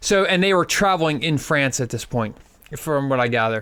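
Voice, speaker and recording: A man with a Philadelphia accent and lively intonation. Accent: Delco (Philadelphia area). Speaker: podcast co-host. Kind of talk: casual chat. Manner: hesitant, many fillers.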